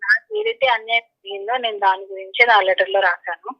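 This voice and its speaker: Her medium-pitched voice swings widely in pitch, and she talks fast. Over a tinny phone connection, this woman insistently answers interview questions, saying the same phrases again and again.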